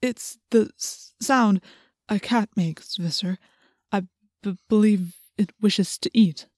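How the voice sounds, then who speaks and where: A woman's voice: mid-range voice, measured pace, mellow, dry recording, clean studio sound, lightly acted. Woman doing a nervous, stammering man. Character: nervous middle-aged male school official.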